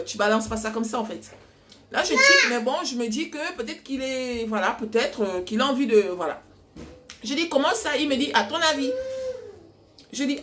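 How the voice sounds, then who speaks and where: A woman's voice: fairly high pitch, a little hiss or hum. A young adult woman vlogging at home, casually retelling a story with lots of quoted dialogue. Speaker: cooking vlogger. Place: home kitchen.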